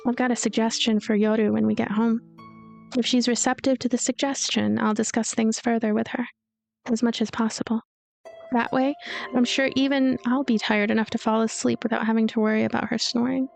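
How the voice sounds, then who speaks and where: A woman voicing a lonely, gloomy ghost girl who narrates her story in a deadpan, weary, introspective way. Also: a little high, brisk, gravelly, soft background music. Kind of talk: first-person story narration.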